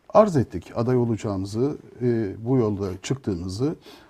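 The pitch is medium. It belongs to a man. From Istanbul, Turkey. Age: 50s. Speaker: football club presidential candidate. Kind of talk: TV interview.

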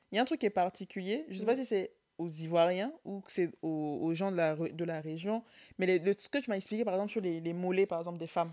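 At a very fast pace, a woman with a dark, mellow tone speaks at medium pitch with ordinary pitch variation on a very clean recording with a silent background. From grew up abroad, born in Abidjan, Côte d'Ivoire. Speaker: podcast co-host. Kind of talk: casual chat.

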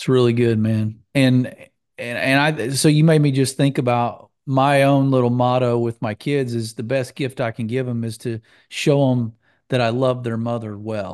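Over a quiet background, a man uses an ordinary speaking voice at medium pitch, with fairly even intonation and a moderate pace. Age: 50s. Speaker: podcast host. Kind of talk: interview.

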